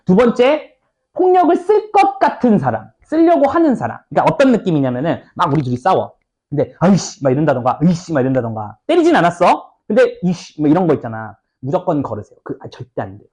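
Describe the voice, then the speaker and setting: A man teaching a high school English lesson, speaking informally and animatedly and asking his students questions as he goes. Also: huge pitch swings, quick pace, a little mellow. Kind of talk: lecture explaining a textbook passage.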